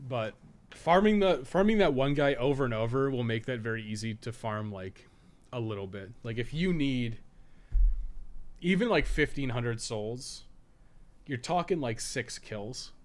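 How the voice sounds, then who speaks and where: A man's voice: medium pitch, expressive, measured pace. A man chatting informally and rambling through a live gaming stream, with a fair bit of swearing. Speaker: podcast co-host, game streamer.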